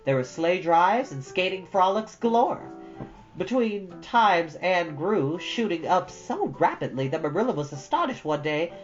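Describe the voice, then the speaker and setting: A woman with a low voice narrates as a storytime host, in an audiobook style. The sound is slightly dull, with soft guitar music underneath. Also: very animated, measured pace.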